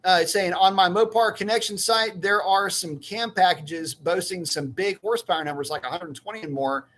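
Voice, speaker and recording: A middle-aged man hosts a loose live-stream chat. He rambles and restarts his sentences, with a folksy turn of phrase. His voice sits a touch higher than most men's. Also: a little fast, fairly bright tone. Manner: rambling, self-correcting, folksy. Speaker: livestream host.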